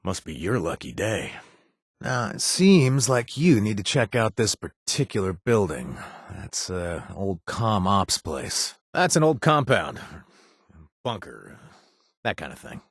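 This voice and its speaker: A man's voice: on the low side, very animated, takes it slowly, husky, no echo, studio quality, exaggerated voice. A young man voicing a sly, sarcastic male wasteland drifter in a video game, with a hesitant offhand delivery full of trailing asides. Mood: wry. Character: wry shady male wasteland drifter, joking and evasive. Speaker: game companion character. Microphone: close studio mic.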